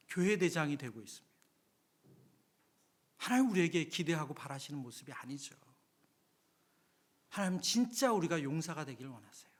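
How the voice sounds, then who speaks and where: A male pastor giving a Friday evening sermon in a church, talking conversationally, acting out everyday scenes, and swinging between loud exclamations and hushed whispers. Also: fairly high pitch. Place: church sanctuary.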